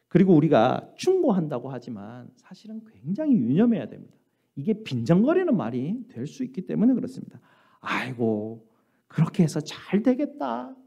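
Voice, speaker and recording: A man's voice: sits high, warm tone, slightly rough. A man preaching a sermon as pastor, earnest and full of rhetorical questions. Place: church sanctuary. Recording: dull lo-fi church recording.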